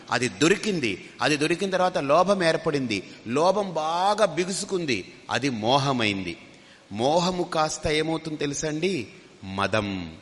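A man's voice: on the high side, a bit bright. A man teaching as a swami in a spiritual discourse, telling stories and acting out what people said, mixing in English phrases. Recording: long hall reverb.

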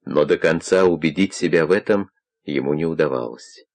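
Male audiobook narrator, deep voice, steady measured delivery.

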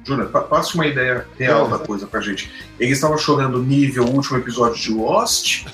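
A man's voice: medium pitch, brisk. A man in a casual live podcast chat, teasing the others and stammering through his jokes. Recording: echoey room over loud music.

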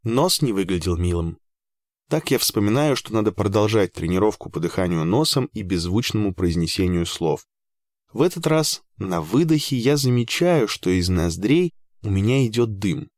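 Low-voiced man reading a dry audiobook. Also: sing-song, normal speed, a little mellow, no echo. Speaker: audiobook narrator. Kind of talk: first-person audiobook narration.

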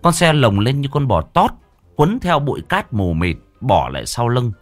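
A man telling a comic story in lively, colloquial narration. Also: medium pitch, normal speed, no echo. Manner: lively colloquial narration with loud put-on voices. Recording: faint music behind.

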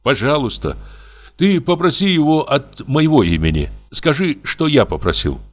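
A man doing a meek, soft-spoken doctor. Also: medium pitch, big pitch swings, moderate pace, pitched above the performer's own voice. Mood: gentle. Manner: soft, mild, apologetic. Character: meek, gentle middle-aged male doctor.

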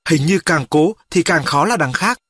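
Man, audiobook narration, high voice, dry close sound, steady storytelling. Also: normal speed, breathy edge, no echo. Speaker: audiobook reader. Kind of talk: scripted narration.

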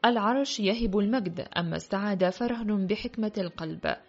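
Woman doing a kind old dad, tender and soft-spoken, lo-fi muffled sound. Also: mid-range voice, a little fast, slightly rough. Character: gentle older father. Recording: dull lo-fi audio with faint music.

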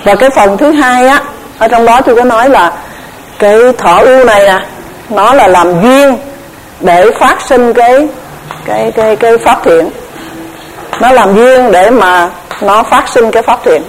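A woman giving a Buddhist dharma lecture, measured and explanatory, often repeating words as she searches for the next one. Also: fairly high pitch, a little hiss or hum, low-quality recording. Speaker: Buddhist Abhidhamma teacher.

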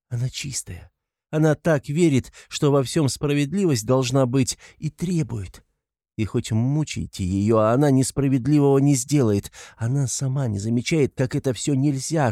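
A man reading an audiobook, voicing a timid, pleading poor young woman who talks in soft, halting, flustered tones. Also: medium pitch, dry recording, studio quality, natural voice.

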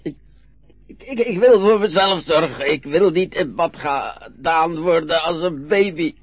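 A muffled old radio-play recording of an old retired sea captain. He is proud yet fragile, with a gravelly creak and a slow, halting, folksy delivery that repeats words. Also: fairly high pitch, dry recording. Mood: wounded, tearful. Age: older. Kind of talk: naturalistic Dutch radio play acting.

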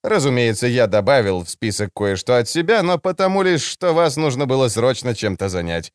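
A man's voice: mid-range voice, big pitch swings, a little fast, clean tone, dry recording, studio quality, close to an everyday voice. A man reading an audiobook, voicing a smug, theatrical grown man with a grandiose, mock-dramatic manner.

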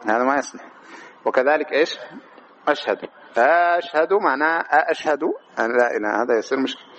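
A man's voice: mid-range voice, fast talker, a bit bright, highs cut off, a little hiss or hum. A man teaching a lesson on religious law, explaining a text line by line and stopping to pose questions he answers himself. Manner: keeps asking rhetorical questions and answers them himself; demonstrates correct and wrong pronunciations. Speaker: teacher of Islamic jurisprudence.

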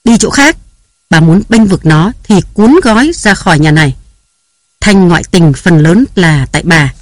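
A man's voice: high voice, normal speed, no echo, studio quality, close to an everyday voice. A man reading aloud who voices a jealous, domineering young husband barking harsh commands and threats.

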